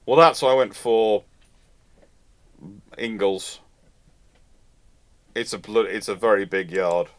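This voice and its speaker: Hosting a live Q&A chat, a man answers audience questions in a rambling way, often repeating and rephrasing himself. His voice is fairly low, slow, and broken by frequent pauses.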